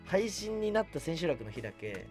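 A man guesting on a casual radio show, telling anecdotes in an animated way and searching for words, recorded in a studio. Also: fairly high pitch, normal speed. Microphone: studio boom microphone, wearing face mask. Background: background music.

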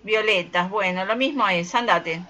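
A woman's voice: mid-range voice, normal speed, pushed and bright, close to an everyday voice. A woman acting a domineering, scolding Argentine mother in an amateur radio play. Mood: curt, bossy. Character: domineering scolding mother, middle-aged widow, melodramatic.

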